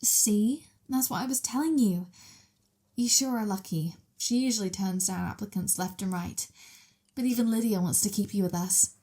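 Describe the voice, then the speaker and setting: A woman's voice: mid-range voice, moderate pace, mellow, husky, close to an everyday voice. A woman playing a sweet, hungry young vampire mistress in an ASMR roleplay, talking in a casual, playful, giggly way. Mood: fond, coaxing.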